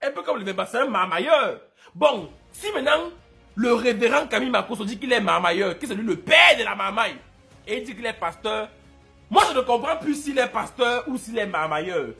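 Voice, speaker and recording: A man doing comic commentary as a YouTuber, excitable and mock-adoring, breaking into shouts. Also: extremely high pitch, a little fast, gravelly, faint music behind.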